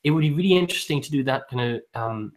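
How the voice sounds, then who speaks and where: Male book-channel host, average pitch, halting and chatty, chuckles often. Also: animated. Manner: hesitant, many ums and restarts; laughs often while talking. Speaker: booktube host. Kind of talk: casual live-stream book chat.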